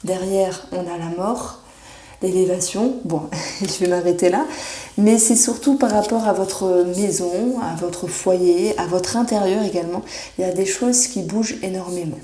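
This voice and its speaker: A woman giving a monthly horoscope tarot reading, reassuring and often pausing with fillers as she searches for words. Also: fairly low pitch, dark tone. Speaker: tarot reader. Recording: echoey room.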